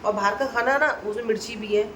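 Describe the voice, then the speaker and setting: A woman's voice: a little high, fairly even intonation, quick pace, a bit bright, a little hiss or hum, poor audio. A woman chatting casually to her viewers in a daily vlog, sounding stuffy from a heavy cold with a runny nose. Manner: chatty, talks straight to her viewers as friends. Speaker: vlogger.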